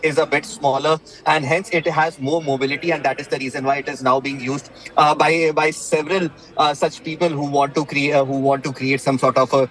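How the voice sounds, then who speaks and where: A man with an Indian accent reporting breaking news live, haltingly, with repeated words and many filled pauses. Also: on the high side, level tone, a bit bright, low-quality recording.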